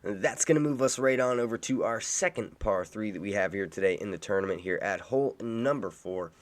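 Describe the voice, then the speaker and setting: A man with a raspy, sick-sounding voice, walking viewers through a mobile golf game step by step in casual commentary. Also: on the low side, brisk, a little hiss or hum. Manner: instructive, steady, talks to viewers as "guys". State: hoarse from illness. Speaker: game guide host. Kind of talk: casual gameplay walkthrough commentary.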